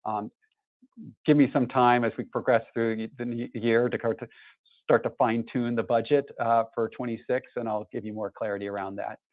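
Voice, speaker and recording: A man speaking as a company finance chief on an earnings call, measured and hedging with "um" and "you know". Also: mid-range voice, little pitch movement, no room sound. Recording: dry, tinny phone line.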